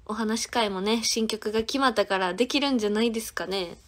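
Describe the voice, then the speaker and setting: Talking a little fast in a fairly high voice, a woman in her twenties with a Kansai accent hosts a casual livestream on her phone. She is an idol singer who giggles and takes viewers' comments one by one.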